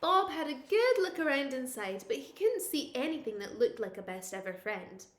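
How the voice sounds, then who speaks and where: A woman reads a children's picture book aloud like a teacher at storytime, expressive and playful. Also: high voice, moderate pace, echoey room. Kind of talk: animated children's storytime reading.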